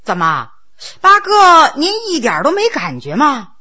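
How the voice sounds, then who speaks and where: A woman's voice: high-pitched, huge pitch swings, measured pace, sharp tone, dull audio, full character voice. A woman doing a brash, teasing younger prince. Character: Qing prince's younger brother, a grinning, teasing schemer.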